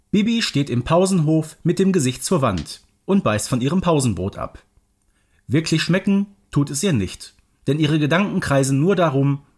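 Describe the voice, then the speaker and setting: A man narrates a scripted story for children. His voice is fairly high for a man and moves widely up and down, giving the storytelling a very animated shape.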